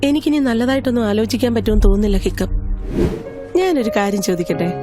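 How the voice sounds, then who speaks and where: A woman's voice: medium pitch, lively intonation, fast, music in the background, close to an everyday voice. A woman playing a shy, hesitant young woman in a dubbed drama. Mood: hesitant, awkward. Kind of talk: drama dubbing.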